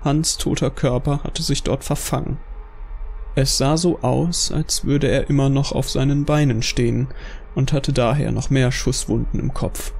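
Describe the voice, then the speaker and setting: Casting: male narrator for horror audio drama, creaky mid-range voice, scripted storytelling, faint background noise. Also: medium pitch, fairly even intonation, a little slow, darkish tone.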